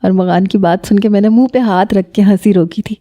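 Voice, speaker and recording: Calm woman telling a romance story. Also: medium pitch. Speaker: narrator. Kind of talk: first-person romance novel narration.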